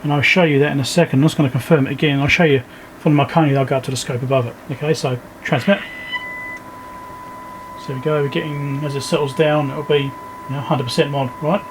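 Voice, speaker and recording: A man with a fairly high voice talks through repair work in an informal, think-aloud way. He sounds like a video host explaining each step at his bench, with some noise in the recording. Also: fairly even intonation, fast. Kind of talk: casual hands-on repair walkthrough. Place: indoor electronics workbench.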